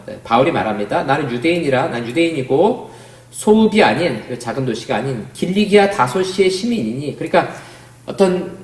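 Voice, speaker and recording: A man, a pastor, giving a Bible study lecture in a conversational way, often asking the class questions. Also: medium pitch. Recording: roomy, echoey room sound.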